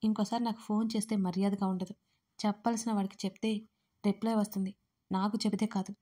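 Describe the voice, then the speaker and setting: A woman voicing a stern, short-tempered young man who scolds loudly and speaks curtly. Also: medium pitch, level tone, fast talker, lightly acted. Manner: scolding, loud and curt.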